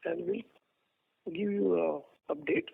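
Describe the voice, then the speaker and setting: High, very creaky Indian man. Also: slow pace. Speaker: company executive answering questions. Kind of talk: explanatory answers on an earnings call. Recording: noisy, narrow phone line.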